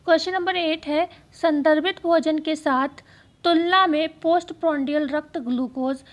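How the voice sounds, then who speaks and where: High-voiced woman teaching exam prep. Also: fairly even intonation, muffled recording. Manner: repeats key phrases slowly for dictation.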